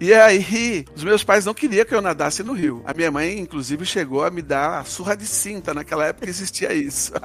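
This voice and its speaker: A man with a high pitch talks at a fairly quick pace, with hardly any pauses. His loudness swings widely, and background noise is noticeable. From Brazil, São Paulo ABC region. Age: 50s. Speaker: physical education professor. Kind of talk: casual interview.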